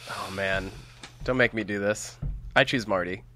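A man's voice: lowish voice, normal speed, sharp tone. A man bantering casually as a podcast panelist.

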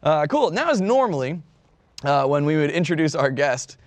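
A man's voice: fairly high pitch, sing-song, normal speed, no echo. A man hosting a podcast, chatting casually and animatedly with lots of fillers. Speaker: podcast host. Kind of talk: casual chat.

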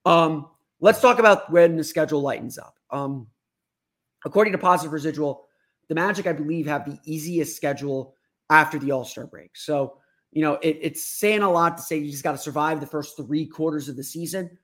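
A hoarse, raspy man with a fairly high voice hosts a casual sports talk show. He is under the weather and rambles, repeating words and restarting his sentences as he goes. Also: a little fast, a bit bright. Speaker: sports podcast host.

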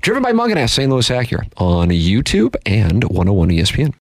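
A man hosting a sports talk show, bantering in a lively, jokey way with sudden jumps in pitch. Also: brisk, very noisy. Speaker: host. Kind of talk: casual sports radio banter.

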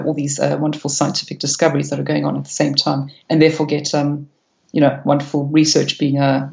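Hesitant woman guest, gravelly and flat. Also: sits low. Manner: hesitant, many fillers, enthusiastic. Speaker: podcast guest. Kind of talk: technical interview answers. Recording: echoey room, dull lo-fi sound.

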